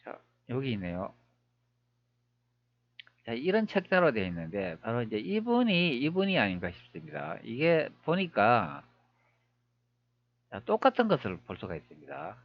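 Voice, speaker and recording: A man's voice: medium pitch, wildly swooping pitch, unhurried, pauses often, lo-fi sound. A man talking viewers through old images on screen, wondering aloud with many rhetorical questions. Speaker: history video creator. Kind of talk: screen-recorded commentary.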